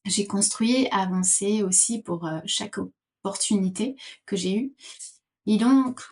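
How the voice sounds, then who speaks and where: Halting, thoughtful woman guest. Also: mid-range voice, a little mellow. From Portugal. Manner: thoughtful, halting, many fillers and restarts. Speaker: podcast guest. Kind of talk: interview answers.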